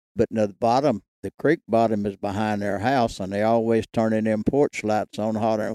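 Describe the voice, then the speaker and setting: A man with a Southern US accent speaks at a moderate pace with hardly any pauses, his medium-pitched voice dark and mellow in a dry, close recording with no echo. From Alabama. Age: 80s. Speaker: coon hunter. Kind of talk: casual chat.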